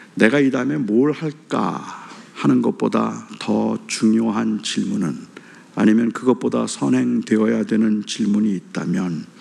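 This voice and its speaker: Amid noticeable background noise, someone talks at a very slow pace. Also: man. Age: 60s. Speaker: pastor. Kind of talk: sermon. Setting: church retreat service.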